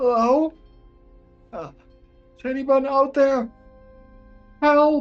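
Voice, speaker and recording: In a high-pitched, put-on character voice, the speaker goes very slowly with long, frequent pauses over faint music in the background. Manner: weak, calling out.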